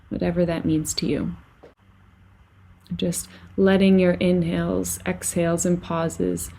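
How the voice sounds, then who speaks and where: Female meditation guide, soft-toned and mellow with noticeable vocal fry, gentle and unhurried. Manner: soothing, gentle, unhurried guiding with long pauses. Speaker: meditation and yoga teacher. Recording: lower-quality microphone.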